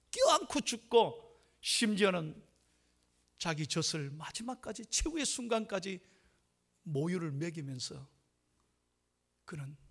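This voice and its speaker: A male pastor delivering a dramatic sermon, swinging from loud declarations to hushed whispers and leading the congregation in repeating lines. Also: high-pitched. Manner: leads the congregation in call-and-response.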